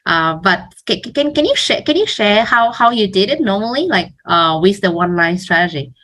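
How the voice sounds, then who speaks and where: A woman's voice: medium pitch, big pitch swings, normal speed, a bit bright. A woman test coach talking casually in a question-and-answer discussion, hesitantly, often repeating words as she goes.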